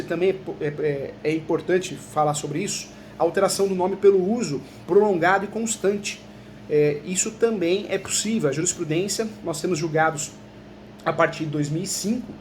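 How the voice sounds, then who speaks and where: Chatty Brazilian law professor, high voice. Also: male voice, a little hiss or hum. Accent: Brazilian Portuguese. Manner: chatty, peppers talk with tag questions. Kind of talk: conversational video lesson.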